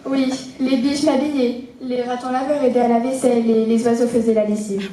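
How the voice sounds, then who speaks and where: An actress playing a weary, sulky Snow White in a live stage comedy sketch. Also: female voice, on the high side, level tone, brisk, mellow, close to an everyday voice. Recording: very echoey stage sound from far off.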